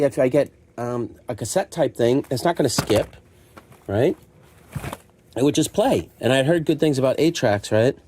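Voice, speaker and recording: A middle-aged man with a relaxed, mellow voice at an ordinary pitch. He rambles conversationally and pokes fun at himself like a shop owner chatting to viewers. Some background noise and clicking sit behind him. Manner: conversational, self-deprecating, acts out imagined remarks. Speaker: secondhand store owner showing stock. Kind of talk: casual, rambling chat to camera.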